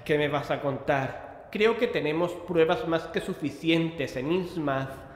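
A man plays an earnest investigator in a horror radio drama, utterly convinced of dark forces. His voice sits fairly high and rings with echo and long reverb. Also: measured pace, close to an everyday voice. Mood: reasoning, convinced. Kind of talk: audio drama dialogue and narration. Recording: echoey hall with long reverb.

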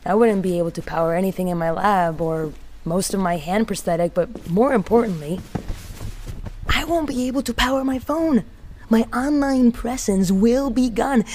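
A woman playing a weary, wry tinkerer in a sci-fi audio drama monologue, speaking in a halting, brooding manner. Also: medium pitch, a little mellow, lightly acted. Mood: wry, dry. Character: weary, wry young woman tinkerer in a doomed underground city.

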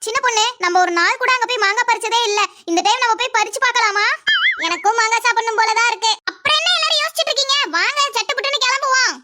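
A sly, greedy village gossip in a cartoon, voiced by a woman. She teases and eggs the others on in a very high, quick voice. Clear noise runs under the track. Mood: sly, teasing. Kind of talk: Tamil cartoon dub.

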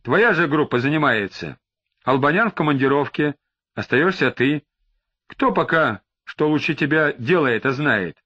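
A man's voice: on the high side, lively intonation, bright, forceful tone, dull audio. A man doing a stern police chief. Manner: brisk, commanding.

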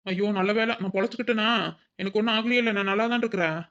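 Panicky young village woman, voiced by a woman, cartoon, fast wailing talk, repeats herself, dull lo-fi sound. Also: medium pitch, fairly even intonation, a bit bright, lightly acted. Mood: flustered. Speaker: cartoon character.

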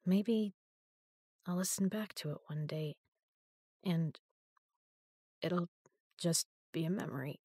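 A frightened woman locked in a prison cell, voiced by a woman in an audio drama. Her husky, breathy voice is slow and dry, recorded close to the mic in a dead room. She moves between weary hushed talk and desperate pleading. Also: on the low side, no room sound. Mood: hushed despair. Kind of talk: first-person sci-fi audio drama.

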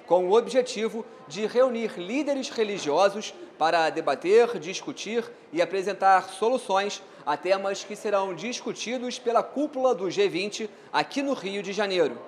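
A man's voice: high-pitched, moderate pace, hardly any pauses, a little hiss or hum. Young Brazilian male TV reporter. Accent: Brazilian Portuguese. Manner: clear, steady reporter delivery. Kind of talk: news report narration. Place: large indoor event hall. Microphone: handheld mic.

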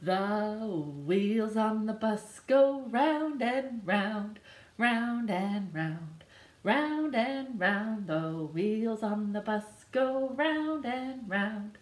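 A woman in her thirties, a children's librarian, singing a picture book for babies at home in a slow, bouncy sing-song with sound effects. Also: mid-range voice, animated, reverberant. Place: living room with a couch and a decorated wall.

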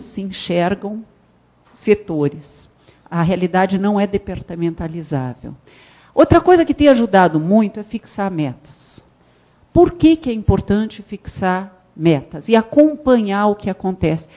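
A middle-aged woman from Brazil giving a conference talk on a handheld mic, animated, with frequent restarts and emphatic rises. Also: mid-range voice. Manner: animated, gestures while speaking, many restarts and emphatic rises. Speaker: conference panelist. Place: conference hall with a panel table.

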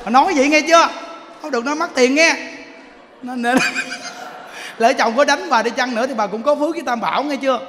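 A monk giving a sermon, telling stories with acted dialogue and laughter. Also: male voice, very high voice, a little fast, long pauses, in a large hall, background noise.

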